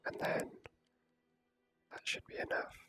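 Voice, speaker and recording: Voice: measured pace, sharp tone, faint music behind. A person whispering hesitant, rambling ASMR commentary while playing a video game, close to the microphone.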